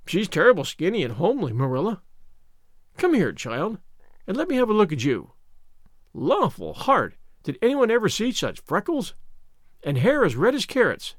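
Man doing snooty blunt busybody lady in an audiobook, pompous and emphatic, highish voice, very up and down. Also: wildly swooping pitch, moderate pace, no room sound, clean studio sound, exaggerated voice. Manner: emphatic, gloomy, solemn, pompous. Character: blunt, haughty, easily offended older busybody lady.

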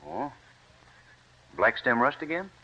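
An actor playing an eager, warm young male professor coming home to his parents, in a 1940s radio drama. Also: medium pitch, expressive, takes it slowly, heavily acted. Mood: concerned. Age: young adult. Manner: cheerful and hearty. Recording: hissy lo-fi vintage radio broadcast.

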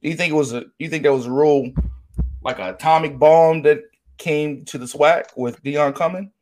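A man hosts a laid-back podcast, his voice pitched a little high. He rambles through his questions and keeps tagging on "you know what I mean.". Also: moderate pace, a little mellow. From Maryland, near Baltimore. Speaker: podcast host. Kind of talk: casual podcast interview.

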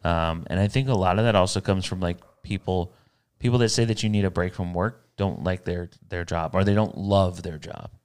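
A middle-aged man with a low, smooth voice co-hosts a podcast on a studio mic. He chats casually and upbeat, looping back to restart his sentences as he goes. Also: steady tone, moderate pace, darkish tone. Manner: rambling, self-correcting, upbeat. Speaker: podcast co-host.

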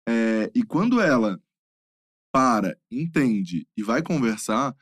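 Brief: male podcast co-host, earnest and reflective, expressive intonation. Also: mid-range voice, slow pace, no room sound, studio quality. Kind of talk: casual interview chat.

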